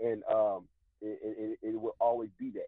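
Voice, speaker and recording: With a Mississippi accent, a man talks in fairly even intonation. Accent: US Southern (Mississippi). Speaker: community organizer. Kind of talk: radio interview. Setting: phone call.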